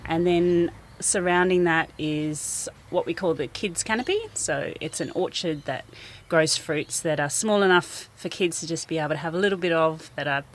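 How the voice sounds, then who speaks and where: New woman, low voice, earnest garden teacher, faint outdoor hiss. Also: normal speed, hardly any pauses. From New Zealand. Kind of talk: radio interview, outdoor.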